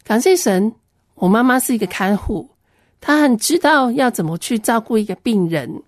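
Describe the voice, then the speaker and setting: High-voiced woman. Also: expressive, normal speed, dry recording, studio quality. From Hong Kong. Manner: earnest, plain storytelling. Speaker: Christian ministry worker giving a testimony. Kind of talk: personal testimony storytelling.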